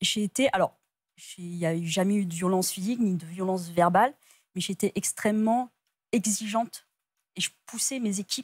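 A woman talks in a somewhat breathy voice with ordinary pitch variation. Long, frequent pauses break up her speech. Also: moderate pace, quiet background. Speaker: chef; talk show guest. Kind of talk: personal testimony. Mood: reflective, candid. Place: studio.

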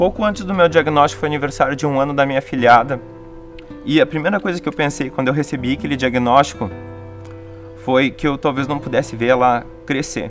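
With clear music in the background, a man in a southern Brazilian accent talks very fast but leaves long, frequent pauses. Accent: southern Brazilian (gaúcho) Portuguese. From Rio Grande do Sul, Brazil. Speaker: campaign testimonial speaker. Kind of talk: interview answer. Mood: earnest, emotional, reflective. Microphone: lapel.

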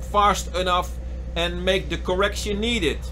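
Male speaker, music playing behind him. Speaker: boat owner vlogger. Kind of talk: casual vlog chat. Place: boat.

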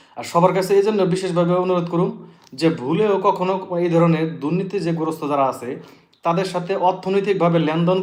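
The tone is animated. Room echo is audible. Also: man. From Bangladesh, Shariatpur district. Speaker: YouTube vlogger. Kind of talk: live stream monologue with viewer Q&A.

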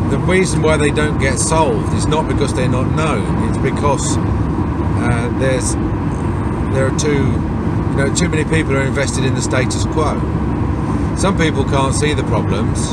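A man at a moderate pace, dry sound with no echo, amid loud background noise. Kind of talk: casual vlog commentary. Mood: critical, somewhat rueful. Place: car. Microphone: phone near.

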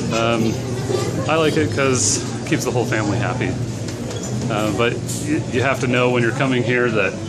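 A man at a fairly quick pace over music in the background. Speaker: restaurant reviewer. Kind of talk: casual vlog review. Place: cafe. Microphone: phone near.

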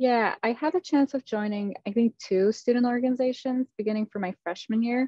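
With a Turkish accent and a high pitch, a woman talks at a fairly quick pace with hardly any pauses and ordinary pitch variation, on a dry recording with no echo and a quiet background. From Turkey. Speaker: university student; panelist. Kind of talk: panel Q&A. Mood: warm, enthusiastic. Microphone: video call.

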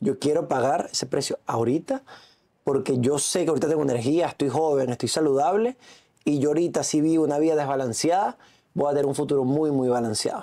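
A man with a Venezuelan accent at a very fast pace, fairly high in pitch, dark and mellow in tone, very even in loudness, against a quiet background. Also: ordinary pitch variation. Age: 20s. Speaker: entrepreneur; podcast guest. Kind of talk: interview. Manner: energetic. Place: studio.

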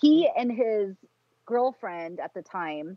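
Here a woman talks at a very slow pace. Her voice is fairly high. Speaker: life coach. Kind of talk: casual chat. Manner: animated.

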